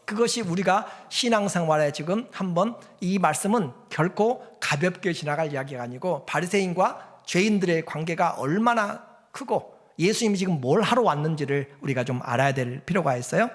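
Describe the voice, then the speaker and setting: Korean pastor preaching in a reverberant hall. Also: male voice, high voice, lively intonation, normal speed, few pauses. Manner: conversational preaching with rhetorical questions. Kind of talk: sermon. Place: church sanctuary.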